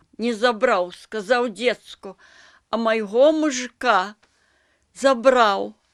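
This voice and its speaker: Her voice sits high, a woman speaking. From Belarus, Navahrudak district. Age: 80s+. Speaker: war eyewitness. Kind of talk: interview answer, wartime recollection.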